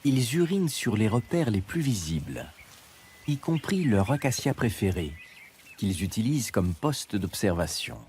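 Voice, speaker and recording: A man's voice: lowish voice, sing-song, normal speed, a little mellow, slight background noise. A man reading scripted narration for a nature documentary, with music behind him. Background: background music.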